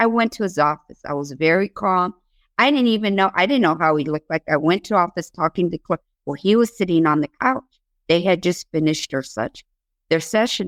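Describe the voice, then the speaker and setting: A woman with an American accent talks at a fairly quick pace and fairly low pitch with lively intonation, in a dry, close sound with no echo on a very clean recording with a silent background. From Chicago, south side. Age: 60s. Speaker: mother and food allergy advocate. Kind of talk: testimony. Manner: halting.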